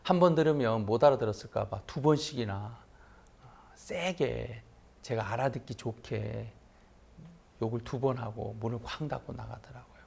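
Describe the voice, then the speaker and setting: A man's voice: medium pitch, normal speed, gravelly, husky. A middle-aged man, a pastor, telling a personal story in a sermon and letting his voice rise sharply for emphasis. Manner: lively anecdotal preaching, voice rising sharply for emphasis.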